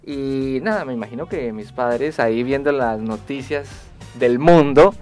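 A man's voice: mid-range voice, a little slow, a little mellow, faint music behind. Hesitant young man, sports journalist guest. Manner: hesitant, restarts phrases, polite. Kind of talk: radio studio chat.

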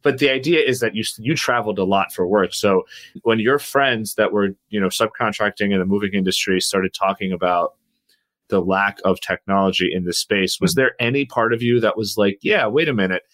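Low-voiced podcast host asking questions. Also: male voice, a bit bright, no echo. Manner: quick and probing, some stammered starts. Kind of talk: interview questions.

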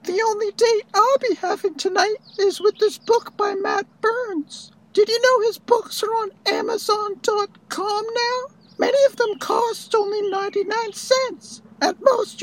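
A woman's voice: very high voice, fairly even intonation, a little slow, few pauses, rough recording. A woman voicing a prim, preachy woman who lectures a man in a comedic mock ad. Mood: scolding.

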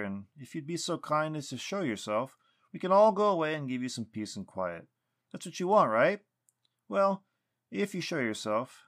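A man's voice: fairly high pitch, fairly bright tone, pitched above the performer's own voice. A man voicing a passionate, frustrated male character in an audiobook, insistent and emphatic. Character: passionate, frustrated man pleading with a tree spirit.

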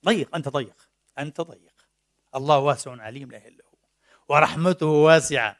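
A man preaching a mosque sermon, animated, firing rhetorical questions and swinging between loud and soft. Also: on the high side, fast talker. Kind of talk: Friday sermon.

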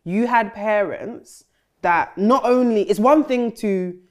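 A woman hosting a podcast, chatting casually and thinking out loud as she frames her questions. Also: mid-range voice, slow. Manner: chatty, searching, lots of "um" and "like" while framing questions. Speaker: podcast host. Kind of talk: casual interview chat.

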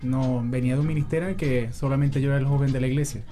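Venezuelan man, quick and earnest, warm low tone, light music under. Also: fairly even intonation. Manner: earnest, speaks of faith. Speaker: youth co-host. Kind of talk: casual church talk show chat.

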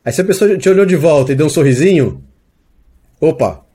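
A man's voice: on the high side, lively intonation, a little fast, mellow, husky. A man who teaches acting, chatting casually in an interview and explaining ideas with examples, often tagging sentences with a questioning "né?". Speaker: acting teacher and course creator.

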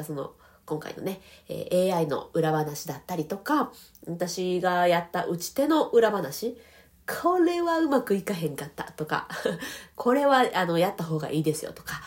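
A woman voice trainer with a Kansai accent, hosting a casual livestream, reading comments politely and laughing often while recovering from a sore throat. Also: on the low side. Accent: Kansai Japanese. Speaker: voice trainer and podcast host.

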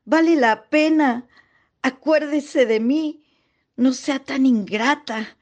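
A woman's voice: high-pitched, slow pace, a little mellow. A woman playing a tender, sentimental country ghost in a radio drama, speaking folksy Chilean Spanish with a Chilean accent. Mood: wistful farewell.

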